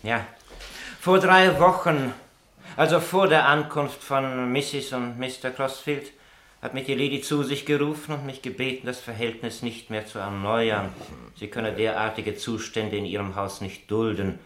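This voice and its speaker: An actor playing an earnest, halting gardener who is a secret lover confessing his guilt in a German radio play. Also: medium pitch, fairly even intonation, a bit bright, reverberant, lightly acted. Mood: tense, halting confession.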